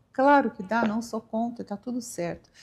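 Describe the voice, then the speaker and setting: Here is a woman with a fairly high pitch. It is a normal speaking voice. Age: 60s. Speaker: spiritual teacher and tarot reader. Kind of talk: casual live-stream chat. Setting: live stream.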